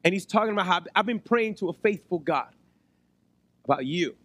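A man preaching a sermon in a conversational way, his voice hoarse as if he has been losing it, often checking in with his listeners. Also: high-pitched, animated, a little fast, a bit bright. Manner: conversational, checks in with rhetorical questions. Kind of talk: sermon to a congregation. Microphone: close microphone on a PA.

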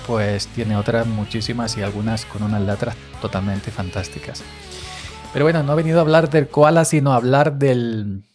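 A man's voice: mid-range voice, a little mellow. Chatty man rambling to mic. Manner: rambling, chatty, self-correcting. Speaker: podcast host and olive farm worker. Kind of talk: casual monologue podcast. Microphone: studio microphone.

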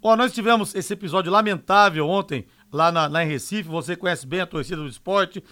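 Male sports radio host, high, forceful voice, emphatic live talk. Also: a little fast. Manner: emphatic, conversational, punctuated with rhetorical tags.

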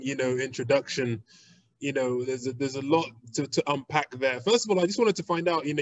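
A man hosting an interview podcast who asks his questions in a relaxed, friendly way, with fillers like "you know.". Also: medium pitch, dull audio. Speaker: podcast host.

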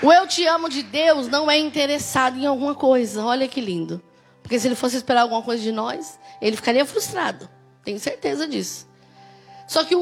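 A woman pastor with a Brazilian Portuguese accent, preaching a conversational sermon with emphatic, rising exclamations. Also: high-pitched.

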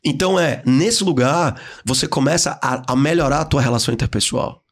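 Brazilian man, podcast guest, rapid talk, husky voice, slangy, jumps into high put-on voices. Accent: Brazilian Portuguese. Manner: acts out quoted people with sudden high-pitched voices, slangy. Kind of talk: animated casual podcast talk. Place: podcast studio.

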